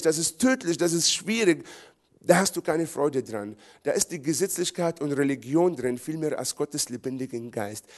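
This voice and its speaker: A middle-aged man from Israel, preaching a sermon emphatically in repeated phrases. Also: on the high side. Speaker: pastor.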